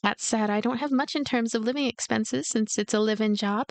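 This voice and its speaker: A woman voicing a gentle, polite young female ghost in a story game, with a reassuring, forcedly cheerful manner. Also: on the high side, brisk, lightly acted.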